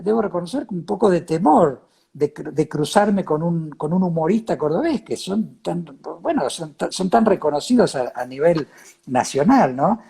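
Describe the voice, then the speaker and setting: A man with an Argentine accent hosting a casual, reflective chat, halting and repeating words as he searches for phrasing. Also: a little high, creaky, dark tone, slightly rough. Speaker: host of a talk series.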